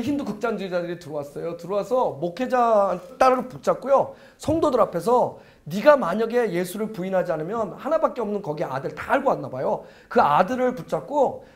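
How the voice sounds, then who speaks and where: A middle-aged male pastor preaching a sermon, telling a story dramatically, swinging from loud urgency to a hushed near-whisper. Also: sits high.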